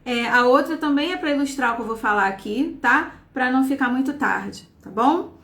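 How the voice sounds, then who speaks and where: A high-voiced woman teacher in a live online class, explaining patiently and reading sentences aloud with marked intonation. She keeps checking in with her students. The recording has a noticeable roomy echo. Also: lively intonation, moderate pace, fairly bright tone. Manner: often checks in with "tá?" and "né?".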